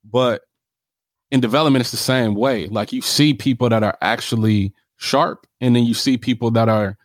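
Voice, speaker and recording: This is a self-assured, emphatic real estate developer with an African American accent, chatting in a casual interview and often adding "right?" to his points. His medium-pitched voice moves at normal speed, recorded at studio quality with no room sound.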